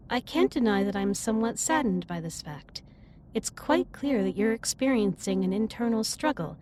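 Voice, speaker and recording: A woman playing a caring, earnest alien starship captain in a sci-fi roleplay audio drama, speaking in formal, precise, measured sentences. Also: mid-range voice, a little mellow, a little hiss or hum, natural voice. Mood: gentle, saddened. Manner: formal, precise, stilted wording with measured delivery. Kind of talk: scripted roleplay audio drama, intimate one-sided dialogue.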